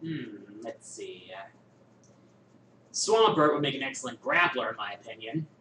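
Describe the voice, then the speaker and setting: A man hosting a viewer question show, musing and thinking aloud with many pauses in casual chat. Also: mid-range voice, lively intonation, sharp tone, distant mic, a little hiss or hum. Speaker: host answering viewer questions. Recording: echoey room, voice a bit off-mic, faint ambience.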